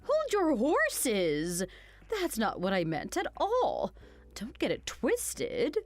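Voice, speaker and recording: A woman voicing a cruel, greedy older mother-in-law who mocks and insults in an animated story. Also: a little high, takes it slowly, no room sound, heavily acted. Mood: sneering. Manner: sneering, insulting, mocking.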